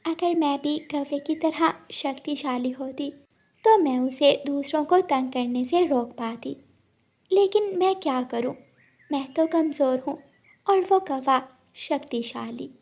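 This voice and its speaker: A woman voicing a small, kind female sparrow who feels weak, speaking softly and plaintively. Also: unhurried. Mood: sad. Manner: soft, plaintive, high and eager.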